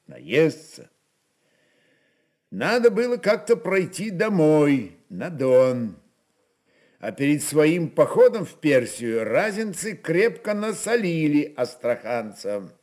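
A man narrating historical fiction in a dramatic, deliberate style with weighty pauses. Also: a little high.

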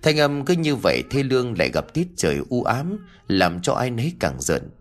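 A man's voice: mid-range voice, wildly swooping pitch, normal speed. A man narrating a scripted ghost story with a dramatic, suspenseful delivery.

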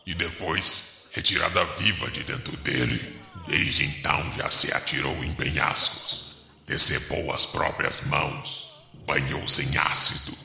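Audio drama ghost: extremely deep, slow, sardonic old cemetery guide with formal speech, drenched in reverb. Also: male voice, steady tone, gravelly, pushed and bright, heavily acted. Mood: ominous. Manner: solemn, archaic formal phrasing, sardonic. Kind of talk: theatrical horror audio drama. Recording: echoey hall reverb, music behind.

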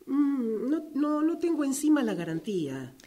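A woman's voice: high-pitched, a little slow. A woman playing an eager, impulsive, stammering house-hunter in an amateur radio drama. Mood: hesitant. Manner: hesitant, stammering, excitable.

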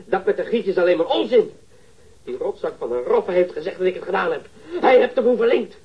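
A rough working man in a radio crime drama, cornered and stammering. His voice is high and very husky, swinging widely as he protests in coarse words. The recording is dull and muffled. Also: lively intonation, fairly quick, heavily acted. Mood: panicked, indignant. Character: frightened, coarse male ship's stoker, a burglary suspect.

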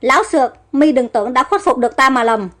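Woman voicing a haughty wounded prince in an audio story, high voice. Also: animated, quick pace, a bit bright. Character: proud wounded young male prince.

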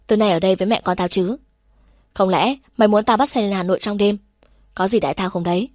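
A woman's voice: mid-range voice, fast talker, a little mellow, dry recording, studio quality, lightly acted. A woman reading aloud voices a frank, protective young woman who is the heroine's best friend in a storybook, speaking teasingly and earnestly.

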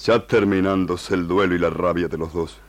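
A man playing a stern indigenous chief in a radio serial, speaking halting, broken Spanish in a gravelly voice. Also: sits low, steady tone, dry recording, lightly acted. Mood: solemn.

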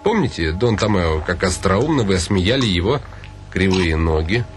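A man's voice: sits low, animated, normal speed, over music. An actor playing a sly, ironic noble man who needles his companions in a radio play. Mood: needling.

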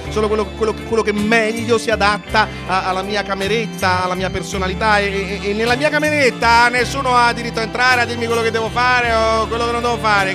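A man's voice: very high voice, voice pushed up. A man playing a defiant, self-centred young Catholic, stammering and repeating himself insistently in a stage monologue. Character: ranting self-centred Catholic youth, defiant about his own little room.

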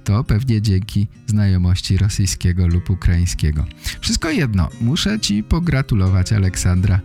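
A man hosting a podcast, giving an explanatory monologue for language learners in short, deliberately phrased sentences. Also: fairly low pitch, gravelly, darkish tone. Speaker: podcast host.

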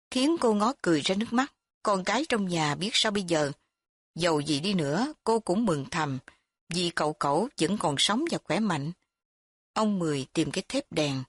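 A woman narrating a dramatic story in a steady reading voice. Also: lowish voice, slightly rough, no echo, clean studio sound.

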